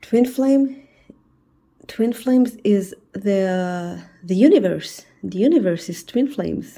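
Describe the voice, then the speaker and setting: In a very clean recording with a silent background, a woman with a non-native accent speaks very slowly at medium pitch, her dark, mellow tone somewhat breathy and her intonation lively. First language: not English. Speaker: spiritual teacher. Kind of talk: explanatory talk. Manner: hesitant, many fillers.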